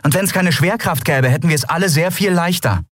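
A man voicing a sharp-tongued young female airship captain with a breezy, mocking way of talking. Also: fairly high pitch, big pitch swings, fairly quick, no room sound, clean studio sound, voice pushed up. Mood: wry.

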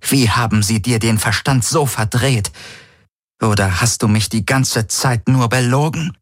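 A man's voice: mid-range voice, unhurried, no echo, clean studio sound, pitched above the performer's own voice, lightly acted. A man voicing a stern female fleet commander who is hurt and accusing. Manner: heavy, accusing.

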